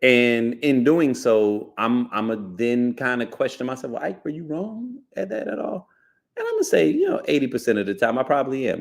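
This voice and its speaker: Loud and animated, a man talks at a fairly quick pace with very wide pitch swings. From Chicago, US Midwest. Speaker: podcast host. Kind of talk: casual monologue.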